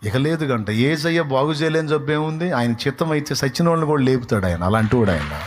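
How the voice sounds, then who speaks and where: A man's voice: expressive, fast talker, a little hiss or hum. A man preaching a sermon, acting out the voices of scoffers and building to emphatic rhetorical questions. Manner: acts out crowd voices in shifting pitch and volume. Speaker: pastor.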